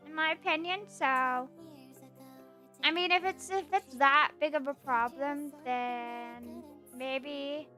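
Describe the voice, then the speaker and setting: A woman's voice: sits high, fairly even intonation, takes it slowly. A woman streamer chatting casually and playfully, rambling as she reads out her chat and teases viewers. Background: soft background music.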